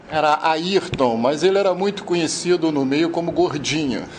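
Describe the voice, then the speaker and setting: Fairly high pitch from a man with ordinary pitch variation at a fairly slow pace, over noticeable background noise. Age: 60s. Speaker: horse racing commentator, retired civil servant. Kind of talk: TV talk show, interview.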